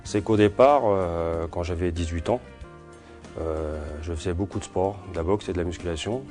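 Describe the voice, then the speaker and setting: Hesitant low-voiced man in his forties. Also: normal speed, a little mellow, soft background music. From Portugal. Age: 40s. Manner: hesitant, many fillers and restarts. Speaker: security company owner. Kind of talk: interview answers.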